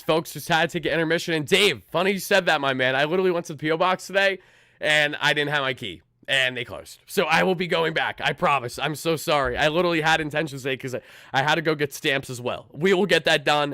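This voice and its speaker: A young man with a hoarse, raspy edge left over from yelling at a game, pitched a little high. He talks in a fired-up, fast run with quick restarts, like a fan hosting his own pregame show. The sound is close and dry, with no room around it. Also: no room sound. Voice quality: raspy from shouting. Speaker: sports channel host. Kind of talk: live-stream pregame talk.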